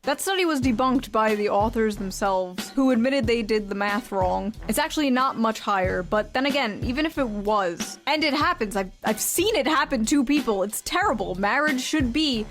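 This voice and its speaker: A woman's voice: fairly high pitch, animated, moderate pace, few pauses. A woman commentator delivering scripted opinion commentary in a blunt, sarcastic way. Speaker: video commentator. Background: background music.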